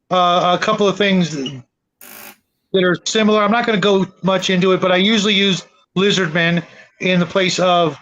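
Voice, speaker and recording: A dull, lo-fi recording of a middle-aged man with a fairly high-pitched voice. He chats casually as a co-host of a gaming show, meandering and halting as he works toward his point. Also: a bit bright. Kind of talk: casual chat. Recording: dull lo-fi voice chat audio.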